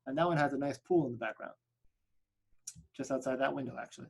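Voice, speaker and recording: A man whose first language is Spanish, presenting a flight school on a video call webinar in an upbeat sales-pitch manner, often tagging "right?" onto his points. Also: fast talker, creaky, husky.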